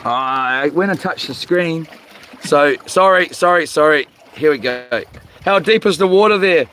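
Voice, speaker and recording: High-voiced man with broad Kiwi accent. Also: a little slow, pushed and bright. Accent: broad New Zealand. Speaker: fishing livestream host. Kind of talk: casual live vlog chat. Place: outdoors on a small boat at sea. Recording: faint outdoor water and boat noise.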